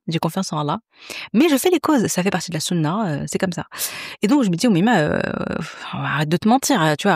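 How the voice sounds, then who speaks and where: A woman's voice: on the low side, a little mellow, dry recording, clean studio sound. A woman, hosting a podcast in a chatty, confiding way, full of fillers and restarts. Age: 30s. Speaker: podcast host. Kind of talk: casual chat.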